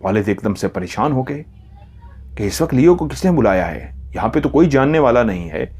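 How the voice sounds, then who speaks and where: A man narrating a horror story in a slow, hushed, dramatic way. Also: medium pitch, big pitch swings, husky.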